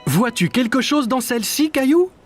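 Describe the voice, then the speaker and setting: A man's voice: very high voice, expressive, normal speed, soft background music. A man voicing a patient, encouraging father in a cartoon, reassuring and kind. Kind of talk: cartoon dubbing.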